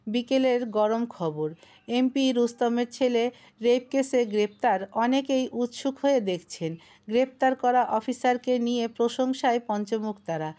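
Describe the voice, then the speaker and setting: A young woman narrating a story in an expressive, scripted storytelling manner. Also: on the high side, measured pace.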